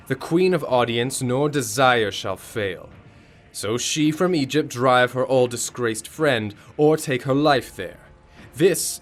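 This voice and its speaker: A man playing a cold, calculating young Roman ruler in a Shakespearean audio drama, speaking in a measured, commanding way. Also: mid-range voice, close to an everyday voice. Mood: cold, dismissive. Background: music.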